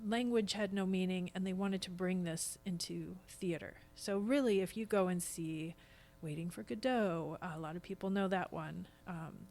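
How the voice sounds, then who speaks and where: A woman's voice: lowish voice, a little mellow. American woman in her fifties, podcast guest. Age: 50s. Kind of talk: casual podcast conversation, explaining.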